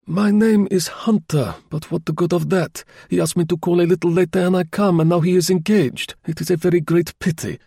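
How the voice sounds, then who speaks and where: A man voicing a pushy, indignant travelling salesman in a storybook, with a foreign accent, high-pitched voice and stilted phrasing. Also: steady tone, brisk, gravelly, few pauses, dark tone, husky, no room sound, studio quality, heavily acted. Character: indignant foreign male salesman hawking steam packing.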